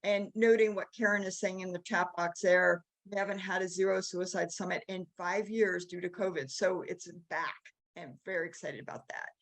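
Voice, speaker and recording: A woman hosting a show in an enthusiastic, casual way, often pausing with ums. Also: fairly low pitch, steady tone, a bit bright. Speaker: show host. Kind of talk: casual chat.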